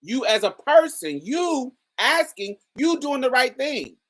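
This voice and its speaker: A woman with a particularly deep voice, hosting a casual commentary and talking straight to her viewers in an emphatic, chatty way. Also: sing-song, unhurried. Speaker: host.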